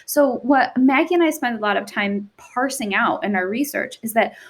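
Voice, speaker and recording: Earnest forty-year-old woman, higher voice. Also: lively intonation, normal speed. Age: 40s. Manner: earnest, explanatory, many "like" fillers. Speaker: podcast guest, researcher. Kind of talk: casual podcast conversation.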